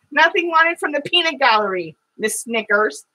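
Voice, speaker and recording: A middle-aged woman hosting a live watercolor painting stream, chatting with viewers between steps in a loud, halting way full of fillers. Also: high voice, animated, a little hiss or hum, poor audio. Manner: loud voice by her own account, halting with fillers and restarts. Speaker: watercolor livestream host.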